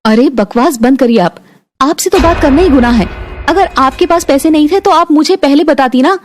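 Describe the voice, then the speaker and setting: A woman's voice: high-pitched, normal speed, slight background noise, close to an everyday voice. A woman voicing a snobbish, scolding rich young woman in a cartoon story. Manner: haughty, scolding, mixes English. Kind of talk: cartoon voice acting.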